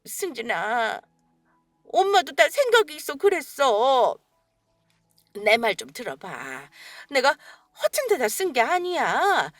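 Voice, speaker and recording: A woman's voice: sits high, very animated, slow, a bit bright, no room sound, studio quality, exaggerated voice. A woman doing a whiny scheming middle-aged mother. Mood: pleading. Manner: whiny, pleading.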